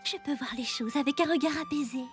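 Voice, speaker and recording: A woman voicing a serene, dreamy new-age character in an animated cartoon dub. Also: high-pitched, fast talker, natural voice. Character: serene new-age friend, dreamy yet easily rattled. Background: background music.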